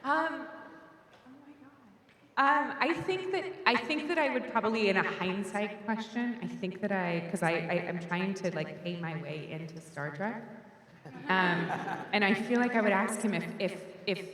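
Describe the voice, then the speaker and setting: A woman guest on a convention panel, chatting casually with halting restarts and giggles. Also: mid-range voice, a bit bright. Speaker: panel guest, podcast host. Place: large convention hall. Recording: echoey hall from far off.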